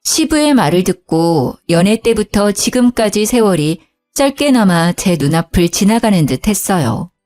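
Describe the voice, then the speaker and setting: A woman narrating a first-person family story in an indignant, expressive way. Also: medium pitch, normal speed, few pauses. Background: faint background music.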